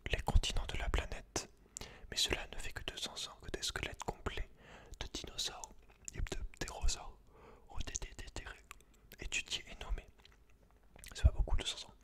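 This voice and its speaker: A man reading aloud in a breathy, unvoiced ASMR whisper, slow and hushed, with casual asides. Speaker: ASMR creator.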